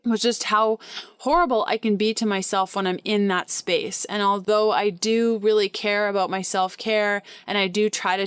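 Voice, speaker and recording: Chatty woman podcast host, crisp voice. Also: medium pitch, no echo. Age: 30s. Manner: chatty and candid, with filler words. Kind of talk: casual solo podcast monologue.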